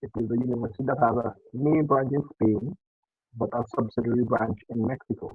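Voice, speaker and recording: A man speaks over a poor video call connection, his voice husky and narrowed to a phone-like band. He runs through a long introduction, pausing on fillers as he goes. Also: medium pitch, steady tone, no room sound. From Caribbean. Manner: long, detailed self-introduction with hesitant fillers. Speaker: audience member asking a question. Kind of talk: casual question on a video call. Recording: muffled tinny call audio, very dry.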